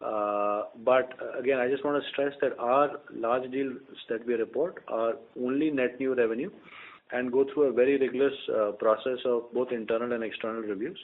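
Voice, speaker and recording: A man answering as a company executive on an earnings call, explaining things in a measured, halting way. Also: medium pitch, fairly even intonation. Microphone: conference call line. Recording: narrow-band conference phone line.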